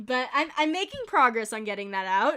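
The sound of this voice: A woman speaks at a fairly quick pace in a fairly high pitch, her clear, smooth and fairly bright tone marked by big pitch swings.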